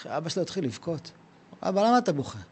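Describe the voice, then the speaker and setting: A man gives a Torah lesson about leaving Egypt in a casual, slangy way. He keeps slipping into imagined dialogues and plays each side himself. His voice sits a little high for a man. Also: husky. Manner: animated, acts out both sides of imagined conversations; slangy, conversational. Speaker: Torah teacher. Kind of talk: Passover lesson with acted dialogue.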